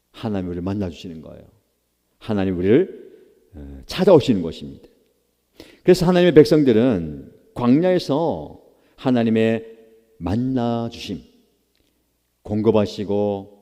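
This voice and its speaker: Pastor preaching in a reverberant church. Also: male voice, on the low side, dark tone. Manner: preaches with acted quotes of prayer, rising emphasis. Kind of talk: sermon at a prayer meeting. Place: church sanctuary. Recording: long church hall reverb.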